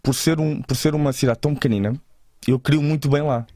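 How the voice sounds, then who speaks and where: A man's voice: fairly high pitch, steady tone, fairly quick, mellow, no room sound, studio quality. A man from Portugal with a European Portuguese accent, talking casually and colloquially as a guest in an interview about his creative work.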